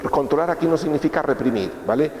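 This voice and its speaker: A man's voice: on the high side, expressive, fast talker, a little mellow. A man giving a course lecture in a conversational way, asking rhetorical questions and checking in with his listeners. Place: lecture room. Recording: echoey hall, faint room noise.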